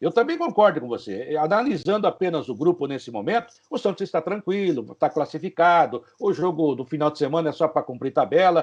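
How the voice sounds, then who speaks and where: A man with a normal speaking voice talks at a fairly quick pace and fairly high pitch, with hardly any pauses. His loudness swings widely against a quiet background. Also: lively intonation. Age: 60s. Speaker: sports radio commentator. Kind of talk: sports talk show discussion. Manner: opinionated, conversational.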